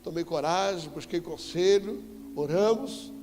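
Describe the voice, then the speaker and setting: A man with a Brazilian Portuguese accent preaching a sermon as an apostle, telling a story with animated emphasis and sudden loud exclamations. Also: sits high, measured pace, slight background noise. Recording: echoey church hall with faint music.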